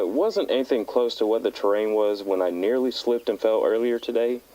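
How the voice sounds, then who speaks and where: An actor playing a young male hiker who records a calm, matter-of-fact tape diary on the trail in an audio drama. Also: on the low side, close to an everyday voice, poor audio. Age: young adult. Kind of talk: found-footage audio drama.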